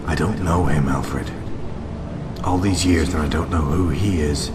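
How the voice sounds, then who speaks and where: An actor playing a brooding, weary vigilante hero in a radio drama, grave and terse. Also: male voice, extremely low pitch, measured pace. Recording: slightly distant voice under loud music.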